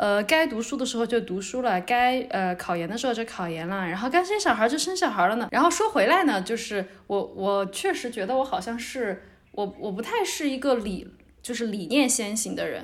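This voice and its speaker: Against noticeable background noise, a woman talks at a fairly quick pace, her fairly high voice making very wide pitch swings. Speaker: mother. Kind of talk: casual chat.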